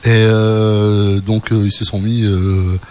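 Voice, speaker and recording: A man co-hosting a casual radio music show, talking hesitantly with many pauses and restarts. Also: fairly low pitch, flat delivery, darkish tone, slight background noise.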